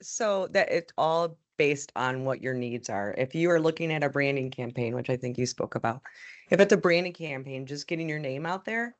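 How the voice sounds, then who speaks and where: A woman's voice: deep voice, lively intonation, moderate pace. Woman, advertising panelist, conversational, lots of fillers, live event talk. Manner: conversational, many fillers and restarts. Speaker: media sales panelist. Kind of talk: panel discussion answer. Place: event room with live audience.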